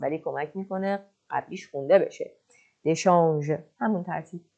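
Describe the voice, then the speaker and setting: A woman teaching French, patiently explaining and slowly reading French example sentences. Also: on the low side, mellow. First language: Persian. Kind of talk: online language lesson.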